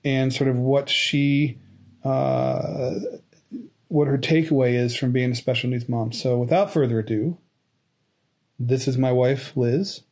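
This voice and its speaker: A man's voice: mid-range voice, fairly even intonation, a little slow, darkish tone. A man of forty hosting his own podcast, talking casually with many restarts and fillers. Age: 40s. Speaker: podcast host. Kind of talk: casual interview chat.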